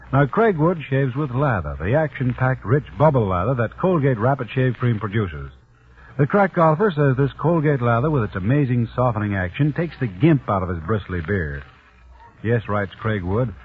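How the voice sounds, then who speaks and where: Raspy 1940s radio ad announcer. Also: male voice. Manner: punchy, salesman-like pitch. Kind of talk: 1940s radio commercial read. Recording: tinny, narrow 1940s radio recording.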